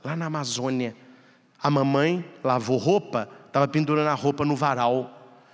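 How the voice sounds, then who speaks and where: A man with a Brazilian Portuguese accent, a Catholic priest giving an animated homily and acting out voices in his anecdotes. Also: medium pitch, normal speed. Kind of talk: sermon. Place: large church. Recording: long church reverb.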